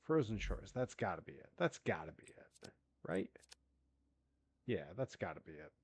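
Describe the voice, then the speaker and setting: Congested low-voiced male game streamer. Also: sing-song, moderate pace, breathy edge. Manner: rambling, with many restarts and fillers. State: congested from allergies. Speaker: gaming streamer. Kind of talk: casual live-stream chat.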